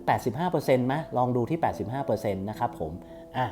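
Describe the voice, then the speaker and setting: A man's voice: mid-range voice, expressive, fast talker, a little mellow, soft background music. A man hosting a casual step-by-step tutorial, instructing politely and repeating steps as he goes. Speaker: tutorial host for screen reader users.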